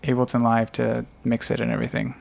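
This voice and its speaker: A man's voice: mid-range voice, monotone, fast talker, vocal fry. A man co-hosting a podcast, chatting casually and taking listener questions. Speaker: podcast co-host and animated series creator.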